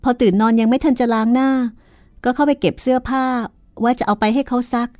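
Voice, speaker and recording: A woman's voice: fairly high pitch, steady tone, fast talker, a little mellow, dry recording, studio quality, soft background music, pitched above the performer's own voice, close to an everyday voice. A woman voicing a poor young woman who pleads and then answers curtly and defiantly. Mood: bewildered. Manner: tearful pleading turning curt.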